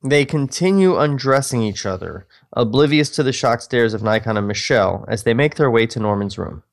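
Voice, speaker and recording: A man's voice: mid-range voice, expressive, fairly quick, creaky. A man reading stage directions from his own old script, dropping in mocking, casual asides. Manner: mocking, self-deprecating asides, swearing. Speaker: host reading his old screenplay aloud.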